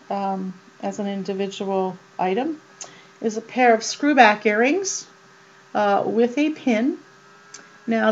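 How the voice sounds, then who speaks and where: A woman with a slightly high voice talks slowly and casually as she shows off jewelry, filling pauses with ums and uhs. The sound is dull and lo-fi, with a mains hum underneath. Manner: slow and chatty, many ums and uhs. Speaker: jewelry vlogger. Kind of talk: casual show-and-tell.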